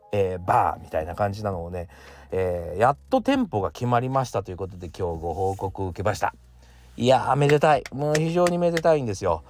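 A man's voice: mid-range voice, darkish tone. A man from the area, hosting a casual solo talk podcast, chatty, full of fillers and little chuckles. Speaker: podcast host.

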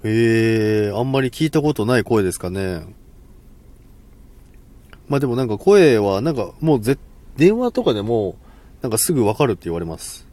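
A man's voice: fairly low pitch, sing-song, moderate pace, long pauses, mellow. A man hosting a casual live stream, polite and self-deprecating, laughing often and stumbling over words.

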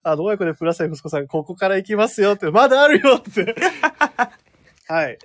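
A man hosts a live radio chat from a studio. He talks fast in a slightly raised voice. He jokes easily with his guest. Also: sits high, expressive. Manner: fast, joking, laughs often. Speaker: radio host.

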